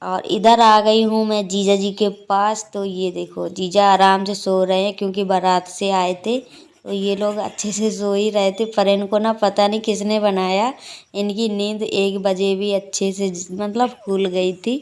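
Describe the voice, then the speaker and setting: Young woman, home vlogger, casual night-time chat, smooth, flat delivery, phone on tripod. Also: medium pitch, unhurried. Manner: chatty, laughing, hushed at night. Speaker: family vlogger. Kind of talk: casual vlog narration. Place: dark room at home at night.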